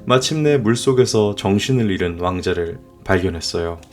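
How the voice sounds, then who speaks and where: Male bedtime storyteller, lowish and animated, soothing fairy-tale narration with gentle sentence endings. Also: normal speed, soft background music. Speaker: storyteller, father.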